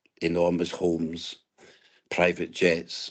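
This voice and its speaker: A man speaks with a Scottish accent and a very deep, low pitch. His pace is fairly slow. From Scotland, Glasgow. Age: 60s. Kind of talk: interview testimony.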